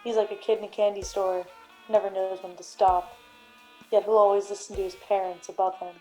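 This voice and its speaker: Woman playing a deadpan, flat-toned noir private detective. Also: medium pitch, brisk, faint music behind, natural voice, rough recording. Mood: brooding, self-assured. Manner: deadpan, brooding, grandiose. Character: hard-boiled, self-important private detective, former cop. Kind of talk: 1930s noir radio drama narration.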